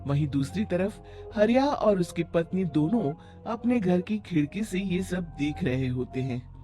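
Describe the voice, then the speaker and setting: A narrator reading a scripted animated story in a storytelling style, with music behind the voice. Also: mid-range voice, a little slow.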